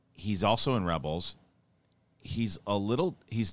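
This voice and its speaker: In a very clean recording with a silent background, a man with an American accent talks in a very deep, low voice with ordinary pitch variation. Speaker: podcast host. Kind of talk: casual chat, spoiler review.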